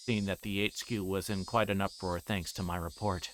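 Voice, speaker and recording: Man, fairly low pitch, livestream visual novel narration, occasional stumbles and rereads, noticeable background noise. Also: steady tone, normal speed, a bit bright. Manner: stumbles over words and rereads them. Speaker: streamer reading a visual novel aloud. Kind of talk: reading game narration aloud on a livestream. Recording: clearly noisy background.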